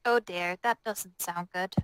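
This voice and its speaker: A woman's voice: fairly low pitch, a little slow, fairly bright tone, smooth, no room sound. A woman playing a tabletop game, moving casually between roleplay and table chat.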